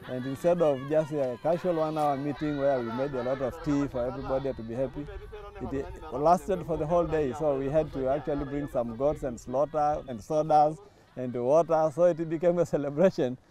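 Reflective middle-aged man, mellow voice. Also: fairly high pitch, brisk. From Tanzania. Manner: reflective, thoughtful, with frequent restarts and hesitations. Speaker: interviewee. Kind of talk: testimony interview. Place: outdoors by a lawn. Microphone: lapel mic.

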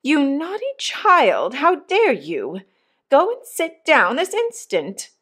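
A woman's voice: a little high, sing-song, slow, a bit bright, pitched above the performer's own voice, full character voice. A woman voicing a haughty, easily affronted upper-class mother in a storybook, speaking in a pompous, imperious manner. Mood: scolding.

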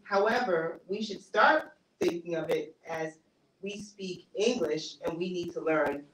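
A woman author speaks casually to a small audience, filling pauses with "um" and laughing now and then. Her voice bounces around a roomy space and sounds somewhat off-mic. A faint hiss sits under it. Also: lowish voice. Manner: conversational, laughs easily, many fillers. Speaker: author giving a talk. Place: small bookstore cafe event space. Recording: echoey room, mic far off.

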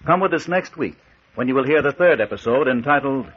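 A male radio announcer delivers scripted lines dramatically, with a very animated, mid-pitched voice. The vintage recording is dull. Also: a little fast, husky.

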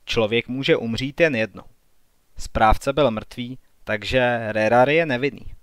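A man's voice: mid-range voice, fairly bright tone, clean tone, dry recording, studio quality, lightly acted. A man voicing a shrewd, composed woman who reasons in a matter-of-fact way in an audiobook. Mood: reasoning.

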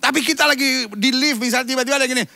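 A man preaching an animated sermon, his voice a little strained from coughing, switching from jokes to sudden shouts and soft asides. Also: very high-pitched, racing, gravelly, a little hiss or hum. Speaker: pastor. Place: church stage.

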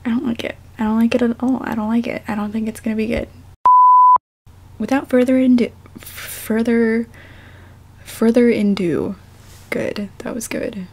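A young woman speaking softly and unhurriedly, as an amateur reader of her own fiction. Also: fairly high pitch, fairly even intonation, moderate pace, creaky, pauses often, background noise. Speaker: fan fiction author and podfic reader. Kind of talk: audiobook-style story narration, then casual self-conscious chat.

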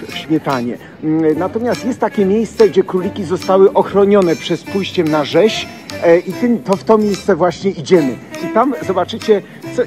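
A middle-aged man, a city tour guide, chatting to a phone at arm's length as he walks outdoors, with many fillers. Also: high voice. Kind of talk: walking vlog to camera. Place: outdoors on a busy city street. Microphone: phone held at arm's length, selfie. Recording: background music over the street sound. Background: clear music.

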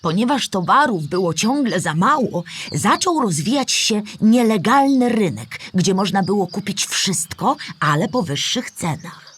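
A woman playing a knowledgeable storyteller character, narrating history in a measured, explanatory way with a husky voice. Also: mid-range voice, big pitch swings. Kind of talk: scripted educational narration.

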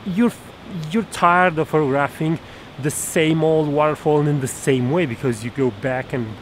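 Recorded outdoors beside a snowy forest stream, a man in his thirties teaches photography to a camera held at arm's length, his voice a little high. He explains each step with fillers and restarts, and the poor audio is filled with the noise of rushing water.

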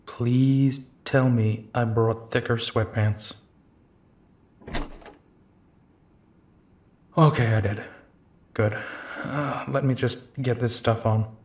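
A man playing a gentle, protective, weary werewolf detective in an intimate audio roleplay, with a soft, halting delivery. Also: mid-range voice, fairly even intonation, a little hiss or hum, close to an everyday voice. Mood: tender, flustered.

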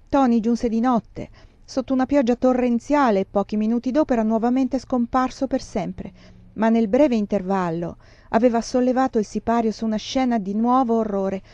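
A woman reading a novel aloud in a measured, steady narration. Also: fairly high pitch, dry recording, dull audio. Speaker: audiobook narrator. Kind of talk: scripted literary narration.

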